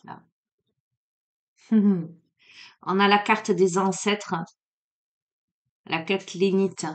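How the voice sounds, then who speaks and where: A woman with a soft southern French accent gives a relaxed oracle card reading, talking slowly and without hurry. She hesitates often and fills gaps with small sounds. Her voice has a sleepy, drowsy ease and sits at an average pitch. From Marseille, France. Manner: hesitant, many fillers, drowsy and unhurried. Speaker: card reader.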